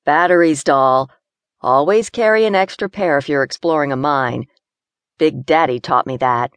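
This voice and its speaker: Narrator lady doing a chill teasing guy, low-ish and slow, dry sound. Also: no room sound, natural voice. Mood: calm teasing. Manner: calm, teasing, drawled. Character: easygoing teasing Nevada man, young adult.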